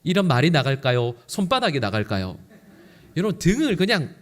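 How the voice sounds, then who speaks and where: Male pastor, Sunday sermon, lively swinging delivery, constant rhetorical questions to the congregation. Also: a little high, a little fast. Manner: animated, acts out quoted lines. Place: church sanctuary.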